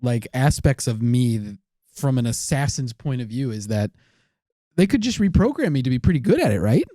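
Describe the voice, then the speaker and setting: A male podcast co-host in casual comedic chat, bantering playfully with quick jokes and frequent laughs. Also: medium pitch, big pitch swings, dark tone, dry recording, studio quality.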